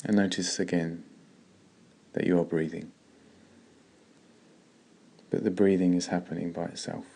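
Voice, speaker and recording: A man leading a guided meditation in a slow, calm, gentle way with long pauses. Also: low-pitched, vocal fry.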